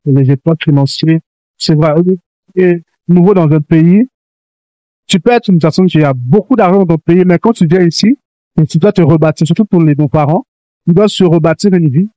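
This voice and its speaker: A man's voice: on the high side, normal speed, mellow, no echo. A man hosting a Christian youth talk show, speaking earnestly and exhorting young listeners, with many restarts. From grew up in Canada. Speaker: host.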